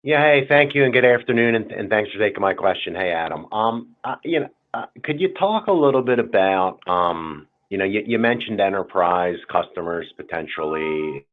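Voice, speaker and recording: A man's voice: fairly low pitch, animated, normal speed, hardly any pauses. A man asking questions as an analyst on an earnings call, hesitant and stumbling over word starts. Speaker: financial analyst. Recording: tinny conference phone line.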